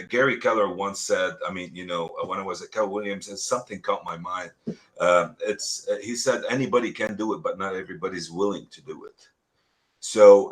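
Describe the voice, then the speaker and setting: A man from Lebanon with a low voice, middle-aged, speaking as a guest in a casual interview. He talks earnestly, stopping and restarting his sentences with plenty of fillers. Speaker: real estate agent, guest.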